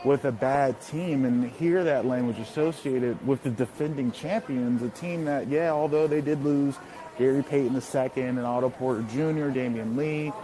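A man talking over a video call from an airport terminal, giving a steady sports reporter's analysis with frequent fillers. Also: medium pitch, slight background noise, rough recording. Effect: heard over a video call. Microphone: laptop or phone on a video call.

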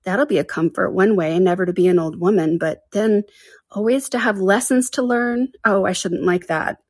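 A woman's voice: mid-range voice, moderate pace, a little mellow, husky, no room sound, clean studio sound, close to an everyday voice. A woman voicing a young storybook girl who muses and reasons with herself in an earnest, chatty way. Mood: sorrowful, musing. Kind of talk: storybook character voice.

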